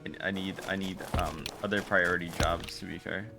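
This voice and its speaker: A man with a low voice talks casually through the game he is playing, over clearly audible music. He fumbles for words, breaking off and restarting as he thinks out loud. It sounds like an easygoing streamer's running commentary. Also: fairly even intonation, normal speed. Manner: fumbling for words, trailing off and restarting mid-sentence.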